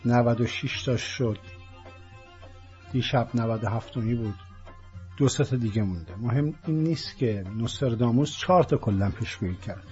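A man from Iran with a Persian accent, hosting a political program as an emphatic, declamatory monologue in deliberate, repeated phrases. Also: medium pitch, a little mellow. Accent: Persian (Iranian). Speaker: host of a political talk program. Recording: dull lo-fi audio with music underneath.

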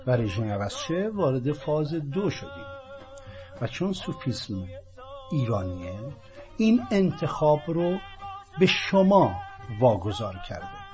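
A man from Iran with a Persian accent, hosting a political program as an emphatic, declamatory monologue in deliberate, repeated phrases. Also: mid-range voice, darkish tone. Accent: Persian (Iranian). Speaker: host of a political talk program. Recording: dull lo-fi audio with music underneath.

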